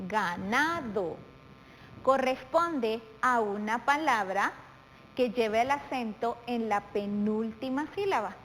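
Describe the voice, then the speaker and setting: A middle-aged woman teaching a televised primary-school lesson, patient and deliberate, drawing out words syllable by syllable. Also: on the high side. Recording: faint reverb and light background noise.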